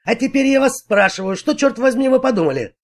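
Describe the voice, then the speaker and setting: A man voicing an irritable middle-aged bricklayer who answers the police in a gruff, defensive way. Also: extremely high pitch, animated, brisk, voice pushed up, exaggerated voice. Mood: irritated.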